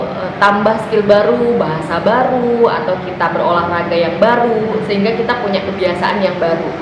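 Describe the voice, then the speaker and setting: A woman talking at a moderate pace over noticeable background noise. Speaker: motivational speaker and coach. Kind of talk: casual motivational talk to camera.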